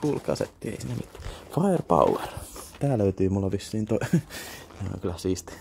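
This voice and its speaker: Browsing an indoor flea market, this young man with a Finnish accent keeps up a muttered running commentary, full of half-whispered asides and casual curses. He sounds lowish, animated and gravelly with a warm tone, over slight background noise.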